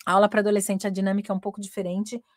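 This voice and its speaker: Brazilian woman host, chatty teacher on a live stream, middle pitch, dry close sound. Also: flat delivery, very fast, no room sound. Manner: chatty and laughing, switching between Portuguese and English. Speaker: English teacher hosting a weekly live stream. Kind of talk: casual live-stream chat.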